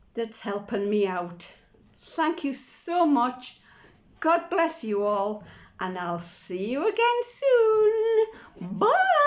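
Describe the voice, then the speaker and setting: Noticeable background noise behind a woman's high voice, very slow, with long, frequent pauses and very wide pitch swings. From Scottish Borders, near Berwick-upon-Tweed. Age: 60s. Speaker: crafting and haul vlogger. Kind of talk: casual video sign-off.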